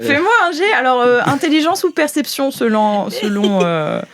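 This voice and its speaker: A woman's voice: sits high, big pitch swings, normal speed, heavy background noise. Woman improvising as game master. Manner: hesitant, playful, slangy. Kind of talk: improvised tabletop role-playing narration.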